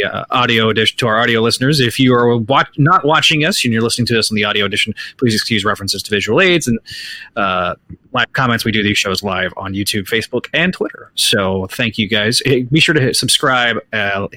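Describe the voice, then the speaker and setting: A man co-hosting a casual comics podcast, slightly croaky from a sore throat, rambling with many restarts. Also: lowish voice, a little fast, sharp tone, no room sound. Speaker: podcast co-host. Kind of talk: casual live-streamed comics podcast chat.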